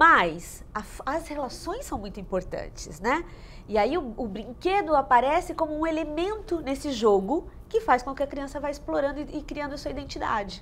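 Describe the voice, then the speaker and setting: Light background noise runs under a woman's voice. Her pitch is high and swings very widely. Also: moderate pace. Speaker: childhood advocate. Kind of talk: studio debate. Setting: studio. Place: studio.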